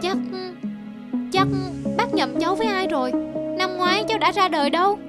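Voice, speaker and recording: A tiny, innocent lamb in a cartoon fable, with a very high voice. It speaks politely and timidly, hesitating and stammering over music. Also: female voice, moderate pace. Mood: frightened. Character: timid, innocent three-month-old lamb. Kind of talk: cartoon voice acting. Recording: music behind the voice.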